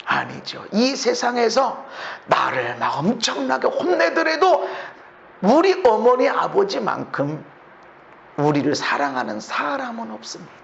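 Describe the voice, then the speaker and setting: A Korean man preaching from the pulpit of his church, his voice high and gravelly with fry. He keeps asking his congregation rhetorical questions, then drops to quiet asides before pressing the point again. The sound is dull and lo-fi, with the roomy echo of the church hall around him. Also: measured pace, a little hiss or hum. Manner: animated, shifts between loud emphatic lines and low quiet asides. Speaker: pastor. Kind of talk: sermon. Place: church sanctuary.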